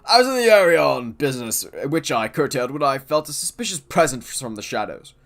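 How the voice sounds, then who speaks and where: A man voicing a grand, flowery older nobleman from a video game, delivering lines loudly and with flourish. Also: a little high, sing-song, fairly quick. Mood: grandiose. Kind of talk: game dialogue read aloud.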